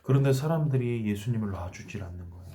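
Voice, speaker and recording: Man, children's pastor, Bible storytelling, asks kids questions, low mellow voice. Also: expressive, fast.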